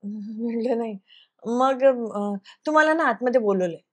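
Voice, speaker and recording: A television actress with a fairly high voice tells a personal story in an interview at a measured pace. She is earnest, acts out the dialogue she quotes, and slips English phrases into her speech.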